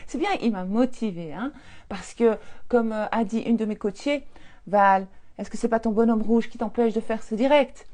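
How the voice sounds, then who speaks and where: A woman in her fifties, a holistic coach, chatting casually on a live stream, telling lively stories and laughing often. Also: fairly high pitch, moderate pace.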